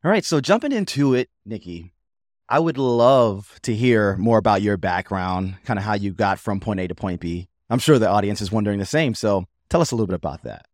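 A man's voice: lowish voice, expressive, fairly quick, darkish tone, dry recording, studio quality. A man hosting a podcast over a video call, opening the show and inviting his guest to share her background. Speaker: podcast host.

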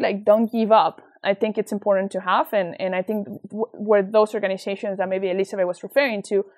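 This is a woman with a Venezuelan Spanish accent, at a middling pitch. She talks as a guest being interviewed, in a conversational style. Her manner is earnest and encouraging as she explains and recounts. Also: darkish tone. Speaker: interview guest, tech nonprofit leader. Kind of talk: conversational interview answers with anecdotes.

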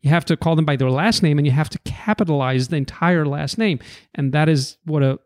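A man's voice: a little high, brisk, no echo, clean studio sound. A man in his forties from Israel, a guest on a podcast interview, explaining with examples and a wry touch. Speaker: guest, marketing executive.

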